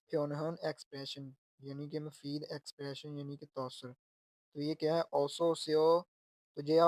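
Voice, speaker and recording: Steady, even-toned male language teacher. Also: fairly high pitch, dry recording. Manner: patient, repeats and explains word by word. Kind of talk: explaining Korean exam lessons.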